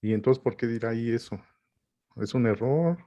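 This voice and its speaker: A man's voice: medium pitch, warm tone, lo-fi sound. A man with a Mexican Spanish accent, a professor questioning a student over a video call and closing a seminar. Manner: probing, measured. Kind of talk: academic questioning and closing remarks.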